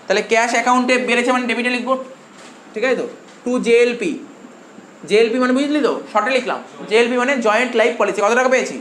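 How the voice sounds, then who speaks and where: A man's voice: very high-pitched, racing, a bit bright. A male commerce teacher with a Bengali accent, lecturing a class and constantly quizzing his students with repeated questions. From India. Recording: echoey room with faint noise.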